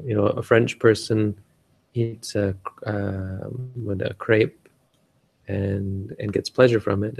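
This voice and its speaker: Low gravelly man, flat delivery. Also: low-quality recording. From Canada. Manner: rambling, searching for words, many restarts. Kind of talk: casual talk on a live stream. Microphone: live stream setup.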